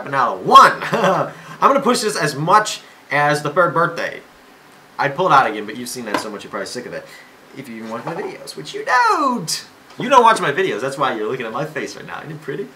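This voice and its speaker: A man's voice: mid-range voice, bright, forceful tone, a little hiss or hum, rough recording. An eighteen-year-old man talking casually to his camera at home, rambling with lots of fillers, restarts and self-mocking jokes. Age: young adult. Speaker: vlogger. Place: home room. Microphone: camera mic.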